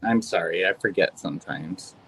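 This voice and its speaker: A woman's voice: extremely low pitch, moderate pace, a bit bright, slight background noise, poor audio. An actress playing an anxious, apologetic trans woman volunteer helping a caller over a video app, in a hesitant way. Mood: earnest. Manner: hesitant and apologetic, with frequent "I'm sorry". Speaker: volunteer on a visual-help app call. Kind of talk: stage play performed over video call.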